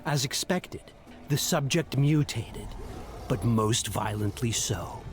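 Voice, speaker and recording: A man narrating a dark fantasy game tale as a grave storyteller, in a solemn, dramatic, measured manner. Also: medium pitch, a little hiss or hum, lightly acted.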